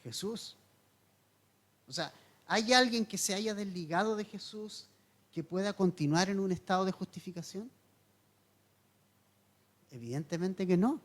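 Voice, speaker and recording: A man's voice: high-pitched, unhurried, pauses often. Man, pastor, verse-by-verse sermon, earnest teaching tone, rhetorical questions, repeats for emphasis. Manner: asks the listener rhetorical questions and repeats key points for emphasis.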